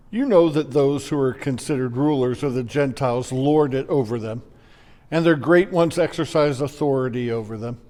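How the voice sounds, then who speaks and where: A man, a pastor, reading scripture solemnly with measured, deliberate phrasing. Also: mid-range voice, a little mellow. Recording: long echoing reverb.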